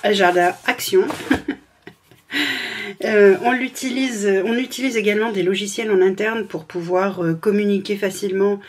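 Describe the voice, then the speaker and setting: A woman's voice: medium pitch, fairly even intonation, moderate pace, slight background noise. A woman from France, a freelance administrative assistant, chatting casually in a vlog from home with a sore throat, hesitant with many fillers and restarts.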